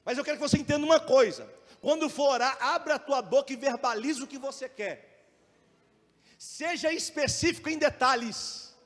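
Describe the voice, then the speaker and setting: A man preaching a sermon as pastor, with a Brazilian Portuguese accent, asking rhetorical questions and swinging between loud and soft, fast and slow. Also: very high voice. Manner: preaching with shifting loudness and pace, rhetorical questions. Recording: long hall reverb.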